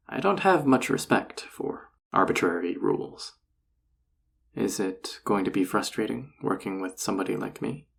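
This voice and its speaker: A man acts out a self-assured male enchanter boss in an intimate fantasy audio roleplay. His voice is low and gravelly, with a husky edge. He talks straight to the listener, teasing and coaxing with casual, flirtatious confidence. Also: heavily acted. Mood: amused, challenging. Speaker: voice actor.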